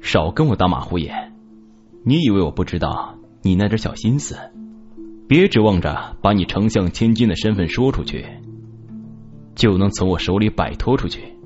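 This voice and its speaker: An actor playing a domineering, cold-tempered young lord in an audio novel, with a cold, menacing delivery. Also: male voice, sits low, expressive, moderate pace. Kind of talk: audiobook drama acting. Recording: slightly dull audio with soft music.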